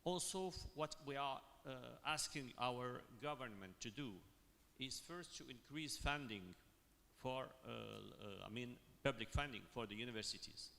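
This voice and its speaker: A man from Morocco speaking on a panel, halting and full of fillers and restarts. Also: mid-range voice, gravelly, pushed and bright. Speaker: university panelist. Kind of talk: panel discussion remarks. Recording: long hall reverb.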